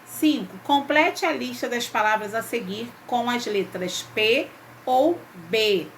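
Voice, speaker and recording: Woman teacher, patient, higher voice, faint hiss behind; for a kids' lesson. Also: lively intonation, takes it slowly. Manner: patient, checks in with "ok?" and "né?". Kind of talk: remote Portuguese lesson, reading a textbook exercise.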